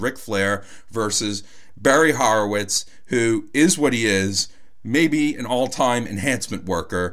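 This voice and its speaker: This man speaks with a Boston accent at medium pitch. His pace is fairly slow and his intonation lively. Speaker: wrestling podcast host. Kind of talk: solo podcast commentary.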